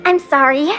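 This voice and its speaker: A woman's voice: extremely high pitch, exaggerated voice. A woman playing a bubbly, curious young guild advisor in a video game, with a girlish, eager, gushing delivery. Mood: apologetic, friendly. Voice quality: girlish, bright. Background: game music.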